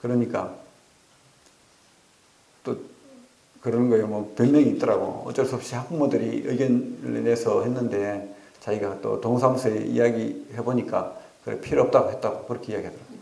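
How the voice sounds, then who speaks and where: A male pastor preaching a sermon, telling stories with animated asides and rhetorical questions to the congregation. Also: medium pitch, a little fast, creaky, roomy sound. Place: church sanctuary.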